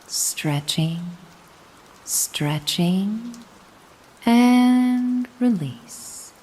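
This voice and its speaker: A mysterious, doting caretaker acted by a woman speaks in a low, hushed-lullaby register for a hypnosis audio drama. She takes her time, gently coaxing and reassuring in an ASMR-like way. A faint wash of rain sits behind the voice. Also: a little hiss or hum, rough recording. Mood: gentle, coaxing. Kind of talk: slow soothing hypnosis roleplay, ASMR-like.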